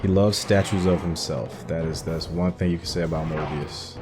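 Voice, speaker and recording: A man's voice: deep voice, fairly even intonation, moderate pace. A man giving casual commentary on a game playthrough, musing and thinking aloud as he hosts. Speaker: gaming video host.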